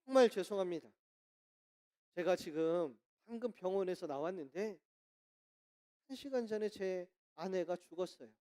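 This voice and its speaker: A woman's voice: fairly low pitch, expressive, moderate pace, pauses often, warm tone, lightly acted. A woman preacher voicing a grieving young father who sounds subdued and apologetic.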